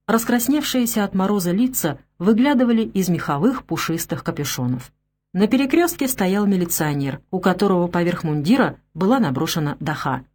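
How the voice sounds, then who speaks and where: Female audiobook narrator, expressive delivery, lively animated pitch.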